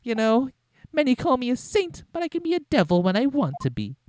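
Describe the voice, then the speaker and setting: A man doing a high, menacing prosecutor. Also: huge pitch swings, a little fast, a little mellow, a little hiss or hum, full character voice. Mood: taunting. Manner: menacing, theatrical. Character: smug scheming male prosecutor, cruel.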